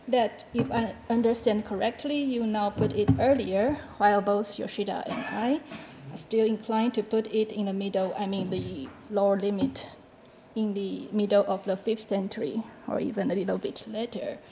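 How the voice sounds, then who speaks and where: A woman's voice: medium pitch, fairly even intonation, normal speed, background noise. Chinese-native woman giving seminar comments. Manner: hesitant, with frequent fillers and short laughs. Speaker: invited discussant at a seminar.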